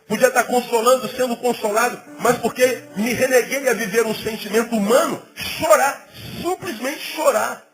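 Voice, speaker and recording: A middle-aged man, a pastor, preaching a sermon in a conversational, animated way with emphatic rising peaks, music in the background. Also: very high-pitched, a little fast, few pauses, low-quality recording. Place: church.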